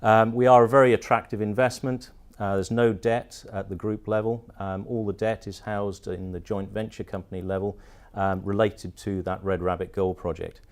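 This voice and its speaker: A man with a British accent giving an investor presentation as a company director, with halting phrasing and frequent ums. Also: on the low side, flat delivery. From partly Turkey, mostly the UK.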